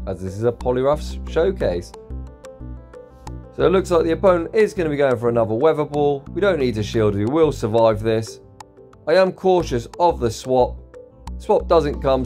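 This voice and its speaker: A tired man with a slightly croaky, mid-range voice walks through a game's battles in steady play-by-play. He explains each choice plainly as it happens. Soft music sits quietly beneath his voice. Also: mid-range voice. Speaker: YouTube creator. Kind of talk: gameplay commentary.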